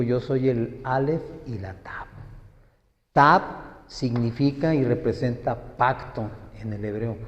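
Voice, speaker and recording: A man preaching a sermon, teaching slowly and emphatically and putting questions to his listeners. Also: mid-range voice. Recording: echoey hall, dull lo-fi sound.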